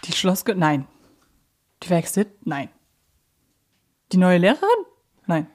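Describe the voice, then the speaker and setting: A woman's voice: on the low side, slow, darkish tone. A woman co-hosting a playful fan quiz, talking casually. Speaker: podcast co-host and radio play fan. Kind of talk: playful quiz chat between fans.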